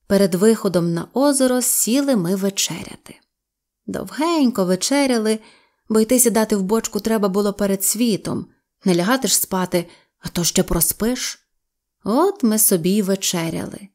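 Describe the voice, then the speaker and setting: A woman reading a humorous story aloud as a storyteller, lively and playful. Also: mid-range voice, normal speed. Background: faint guitar music.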